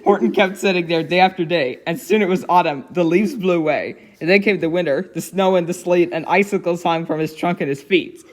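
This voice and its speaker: A woman's voice: fairly low pitch, fairly quick, hardly any pauses. A woman giving a dramatic, playful reading of a children's storybook, given to giggling. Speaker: story reader.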